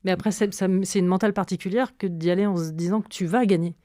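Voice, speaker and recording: A woman's voice: lowish voice, fairly even intonation, fast, mellow, no room sound, clean studio sound. A woman with a French accent hosting a casual radio interview in an informal, teasing manner. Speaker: radio host. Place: radio studio.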